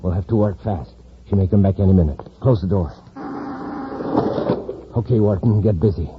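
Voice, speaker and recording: An actor playing a scheming male criminal boss in a 1950s radio drama, giving brisk orders. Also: deep voice, phone-quality sound, lightly acted. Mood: commanding. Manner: brisk, commanding. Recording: hissy old radio transcription.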